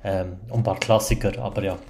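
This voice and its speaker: A man's voice: sits low, steady tone, brisk, darkish tone, a little hiss or hum. A man with a Swiss German accent hosting a podcast, chatting casually and colloquially in a joking way. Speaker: podcast host. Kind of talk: casual film chat.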